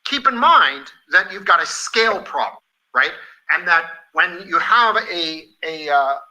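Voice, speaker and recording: A man with a very bright, sharp voice set a little high, speaking as a company executive on an earnings call. He is emphatic and enthusiastic, and sometimes halts and repeats himself as he builds his answer. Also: expressive, measured pace, rough recording.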